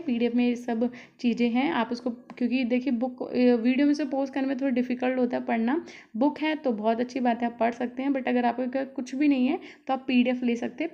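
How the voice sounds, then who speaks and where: An online tutor gives a casual exam-prep lesson, explaining in a chatty way full of fillers and frequent "theek hai". Her voice is a little high and mellow, with vocal fry, and the sound is lo-fi.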